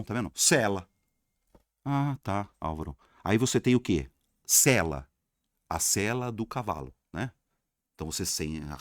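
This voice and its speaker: A man teaching a lesson in a low voice whose pitch leaps around with energy. He repeats key words for emphasis and voices his students' questions himself. The sound is close and dry, with no room echo. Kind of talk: video lesson.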